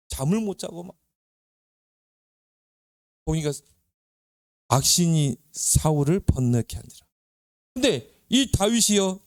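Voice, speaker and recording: A man's voice: sits high, creaky, dry recording, studio quality. Storytelling male pastor preaching to youth. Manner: lively storytelling, acting out Bible characters; conversational preaching, asks listeners questions. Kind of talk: sermon to youth.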